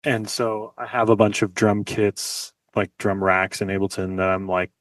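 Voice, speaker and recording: A man from Los Angeles, a guest musician, chats casually over a video call in an interview, peppering his speech with "like." His voice is lowish with little pitch movement at normal speed, recorded dry on a slightly distant mic.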